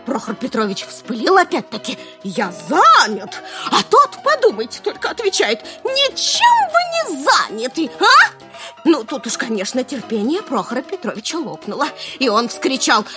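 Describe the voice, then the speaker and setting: A woman voicing a distraught young secretary in a radio play. Her very high, bright voice swoops all over the place. It sounds musical but nasal from weeping, and she is frantic throughout. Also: wildly swooping pitch, moderate pace, soft background music, heavily acted. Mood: agitated retelling. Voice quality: musical, slightly nasal after crying. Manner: frantic, wailing, breathless retelling. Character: hysterical tearful young female secretary. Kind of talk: radio drama acting.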